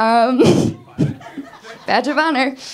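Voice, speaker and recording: A woman with an American accent talks at a moderate pace with ordinary pitch variation. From rural western New York. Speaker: stand-up comedian. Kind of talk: stand-up comedy set. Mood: self-deprecating, wry. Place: stage. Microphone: handheld.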